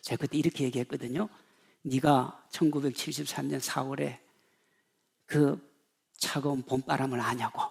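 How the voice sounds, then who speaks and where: Man in his 50s, pastor preaching, gravelly voice, dramatic swings between loud and hushed. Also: medium pitch, steady tone, normal speed, long pauses. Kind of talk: sermon.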